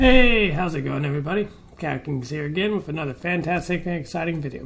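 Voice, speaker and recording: A man's raspy, put-on character voice with a fairly high pitch, rattled off at a very fast pace. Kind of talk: upbeat video greeting. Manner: slurred speech.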